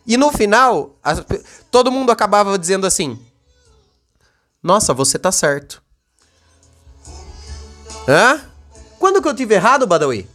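A man's voice: high voice, big pitch swings, fairly quick, fairly bright tone, faint music behind. A young Brazilian man hosting a casual solo podcast, talking in a heated, slangy way and repeating himself as he gets worked up. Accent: Brazilian Portuguese. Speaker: podcast host.

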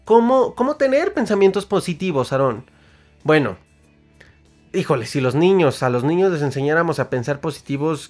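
A man with a Mexican accent giving a casual motivational talk in a slangy, colloquial way. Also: a little high. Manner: colloquial, slangy, acts out quotes. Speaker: motivational speaker.

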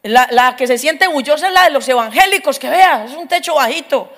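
A middle-aged woman preaches a humorous testimony in a high voice. She tells her story with lively energy and acts out the voices of the people in it. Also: brisk.

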